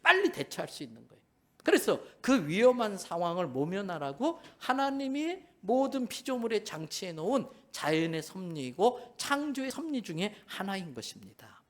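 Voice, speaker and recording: A male pastor preaching a sermon at a church service. He is animated, acts out bits of dialogue and swings between soft and loud delivery. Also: high voice.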